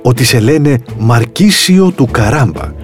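A man's voice: animated, soft background music, close to an everyday voice. A man doing a sly scheming storybook cat. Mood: pleading. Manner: pleading, eager, higher than his narration. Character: sly clever male cat in boots. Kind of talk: storybook reading.

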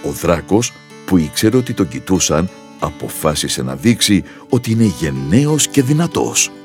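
A man narrating a children's story in an expressive, animated way. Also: sits low, soft background music.

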